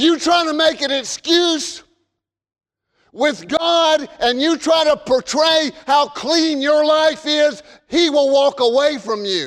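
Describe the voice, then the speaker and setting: With a Southern US accent, a man speaks at a very slow pace and an extremely high pitch for a man, with ordinary pitch variation, on a very clean recording with a silent background. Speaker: preacher. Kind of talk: sermon. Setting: church.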